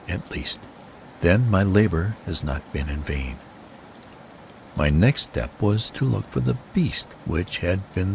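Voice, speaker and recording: A man narrating a gothic horror tale as a dramatic audiobook, in a measured, theatrical and formal manner. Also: low voice, gravelly. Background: steady ambient noise, rain per title.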